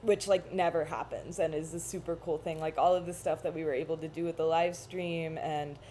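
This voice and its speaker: A woman's voice: deep voice, steady tone, fairly quick, warm tone, a little hiss or hum, low-quality recording. A young woman chatting casually on a video call, rambling and thoughtful, often laughing at herself. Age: young adult. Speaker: cast member of a charity reading livestream. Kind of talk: casual chat.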